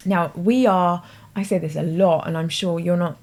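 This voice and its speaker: A woman's voice: fairly low pitch, fairly even intonation, moderate pace, darkish tone, faint music behind. A British woman hosting her own show, explaining ideas in a thoughtful, conversational way with hedging asides. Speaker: host. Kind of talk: explanatory talk to camera.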